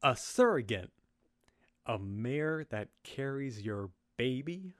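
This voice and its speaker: A man's voice: mid-range voice, animated, takes it slowly, fairly bright tone, no room sound, clean studio sound. An actor playing a matter-of-fact young stallion father in a fan radio drama.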